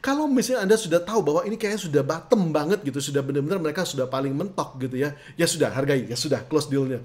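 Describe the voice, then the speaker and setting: Fast-talking male negotiation trainer. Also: on the high side. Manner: animated, acts out both sides of dialogues. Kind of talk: casual business lesson.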